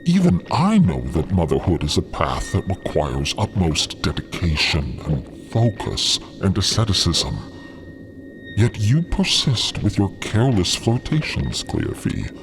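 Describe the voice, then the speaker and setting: Smug, low-voiced silky manipulator. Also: male voice, huge pitch swings, a little slow, music in the background, heavily acted. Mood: smug, admonishing. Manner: condescending, theatrical, needling. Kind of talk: dramatic audio fiction acting.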